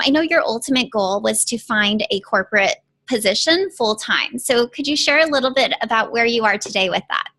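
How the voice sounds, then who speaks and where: A woman's voice: fairly high pitch, bright, forceful tone. A woman career coach asking her client questions in an encouraging, enthusiastic way. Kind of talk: upbeat interview questions.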